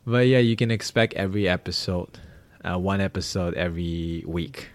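A man's voice: low voice, normal speed. Young man from Malaysia hosting a podcast. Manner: rambling, many fillers. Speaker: podcast host. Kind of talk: casual chat.

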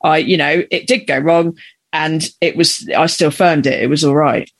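A woman's voice: low voice, fairly even intonation, moderate pace, gravelly. A woman with a South London accent talking casually and candidly, with some swearing and self-deprecation. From South London, England. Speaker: podcast guest, amateur marathon runner. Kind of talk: casual chat.

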